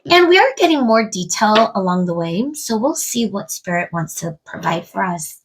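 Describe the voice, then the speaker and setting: Woman tarot reader, husky and stuffed up, chatty musing delivery. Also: mid-range voice, very animated, moderate pace, poor audio. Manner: musing aloud, addressing spirit and viewers. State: stuffed up from a cold. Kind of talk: casual tarot card reading to camera.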